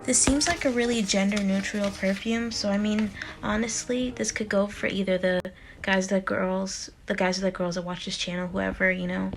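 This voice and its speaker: A woman giving a sponsored product read in a steady, matter-of-fact way. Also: medium pitch, moderate pace, slight background noise. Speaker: beauty vlogger.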